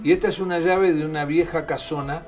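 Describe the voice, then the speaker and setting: Eager, quick-talking male co-host. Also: a little high, steady tone, over music. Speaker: talk show co-host.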